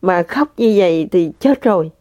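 A woman's voice: fairly low pitch, lively intonation, normal speed, dark tone, dry recording. An older woman telling a personal spiritual testimony to her listeners, earnest and repeating herself. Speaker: spiritual practitioner sharing testimony. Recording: dull lo-fi sound.

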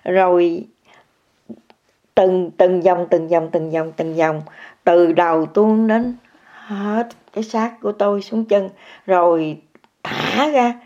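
Older woman, mellow voice, personal testimony, repetitive and emphatic, talks straight to listeners. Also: on the low side, fairly even intonation, takes it slowly, long pauses. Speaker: meditation practitioner sharing an experience. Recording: muffled lo-fi recording.

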